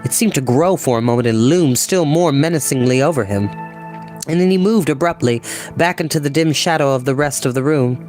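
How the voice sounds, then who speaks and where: Storytime narrator, male: expressive audiobook read, mid-range voice, music underneath. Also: mid-range voice, fairly quick.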